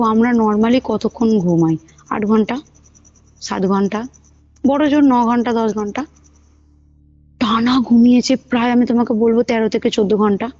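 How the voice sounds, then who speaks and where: Female caller, husky voice, casual animated storytelling, dull phone audio with music under it. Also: fairly high pitch. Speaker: caller telling a personal ghost experience. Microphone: phone call. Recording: muffled phone call recording, music underneath. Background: background music.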